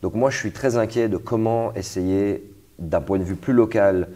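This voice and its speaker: Deep, mellow-voiced man hosting. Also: moderate pace. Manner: conversational, with fillers and restarts. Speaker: host. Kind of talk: casual interview conversation.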